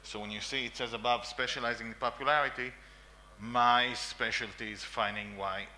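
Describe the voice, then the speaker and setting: A man's voice: mid-range voice, fairly even intonation, normal speed, pushed and bright, a little hiss or hum, poor audio. A man in his forties with an Israeli accent, giving an emphatic conference talk with fillers and coughs in a meeting room. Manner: emphatic, repeats lists, frequent coughs and fillers. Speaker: conference speaker.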